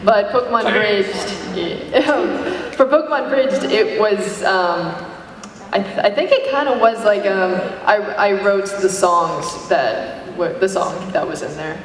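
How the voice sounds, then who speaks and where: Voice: mid-range voice, takes it slowly, crowd noise. A panelist chatting casually and jokingly to an audience about creative work. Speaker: panelist, parody series creator. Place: large convention panel room. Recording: distant echoey hall, clear background noise.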